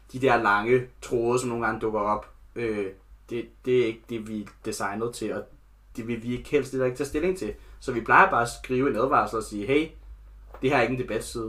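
At a fairly quick pace, a man talks in a bright, sharp tone with medium pitch and fairly even intonation. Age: 20s. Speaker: larp community admin. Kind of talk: podcast interview.

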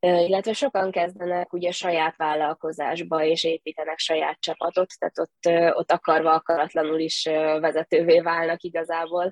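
A woman with a fairly low voice speaks at a moderate pace. Her intonation is flat and monotone. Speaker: marketing agency owner and mentor for young women leaders. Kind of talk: interview conversation. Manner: frequent word repetitions and fillers.

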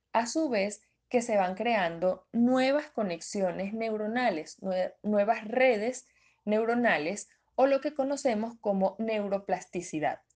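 A woman with a fairly high pitch talks at a very slow pace, her pitch varying in an ordinary way. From Venezuela. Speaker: psychologist. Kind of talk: prepared explanatory talk.

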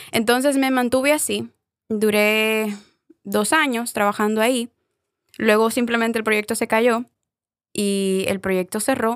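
A woman speaks fairly slowly at a fairly high pitch, with ordinary pitch variation. The recording is very clean and dry, close with no echo and a silent background. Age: 20s. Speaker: podcast co-host, call center employee. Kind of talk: casual chat.

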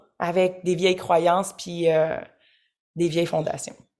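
With a Quebec accent, a woman talks at a moderate pace on a very clean recording with a silent background. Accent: Québécois French. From Quebec, Trois-Rivières. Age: 30s. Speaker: yoga and meditation teacher, entrepreneur. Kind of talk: podcast interview.

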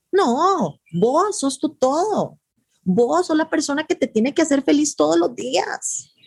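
A woman with a Costa Rican accent speaks at a very slow pace with a high pitch, very wide pitch swings and very even loudness, in a dry, close sound with no echo. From Costa Rica, Alajuela. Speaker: former beauty queen and model. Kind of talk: casual interview. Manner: animated, frequent laughter.

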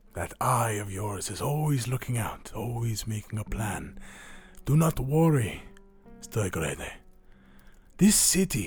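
A put-on character voice from a man at medium pitch, fairly slow, broken by long, frequent pauses, with faint music behind it. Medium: actual play. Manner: measured, commanding.

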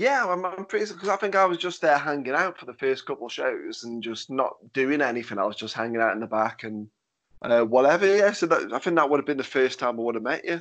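With a Potteries accent, a man speaks very fast at a fairly high pitch with very wide pitch swings, over a quiet background. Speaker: wrestling podcast host and wrestling manager. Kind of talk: casual chat. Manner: casual, laughs often.

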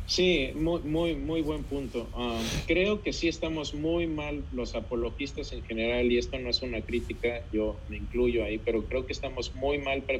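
Amid noticeable background noise and audible room echo, a man speaks with hardly any pauses. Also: fairly slow pace. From Mexico. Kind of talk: interview conversation.

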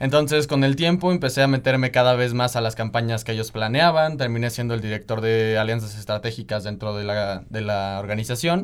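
Against a silent background on a very clean recording, a man speaks at a fairly quick pace with a medium pitch and ordinary pitch variation. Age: 20s. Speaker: university student. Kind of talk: casual chat.

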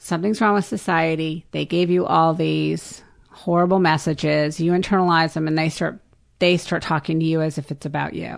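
A woman with an American accent and a plain, everyday voice speaks at a fairly low pitch with fairly even intonation against a quiet background. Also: moderate pace. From US, New Jersey. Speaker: therapist and author. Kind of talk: interview.

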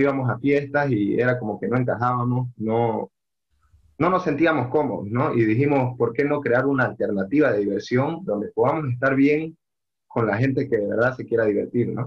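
Somewhat breathy, a man speaks at a medium pitch. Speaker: university student.

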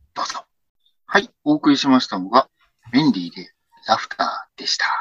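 A man with a western Japanese accent, dry and close with no echo. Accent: western Japanese dialect intonation. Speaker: podcaster, music show host. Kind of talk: casual chat.

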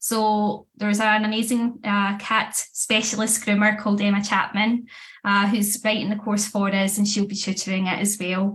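A woman's voice at a medium pitch, monotone and flat in intonation, at a moderate pace. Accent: Scottish. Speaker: pet groomer. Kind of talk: casual interview chat.

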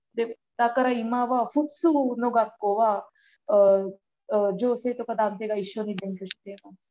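Speaking at a fairly slow pace with a Marathi accent, a woman with a fairly high pitch and a dark, mellow tone keeps her intonation fairly even while her loudness swings widely. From India. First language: Marathi (speaking Japanese). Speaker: podcast co-host. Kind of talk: casual chat. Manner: halting, many fillers.

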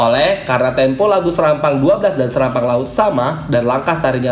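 There is noticeable background noise and audible room echo around a man's voice. His pitch is fairly high, with ordinary variation. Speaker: podcast host. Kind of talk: reading from notes.

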